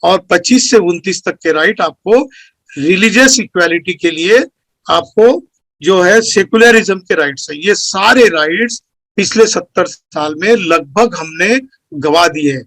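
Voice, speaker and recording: Speaker, male, high voice, dry close sound; earnest, lecturing delivery, point by point. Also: measured pace, fairly bright tone, no room sound, low-quality recording. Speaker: speaker at a community meeting. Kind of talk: formal speech.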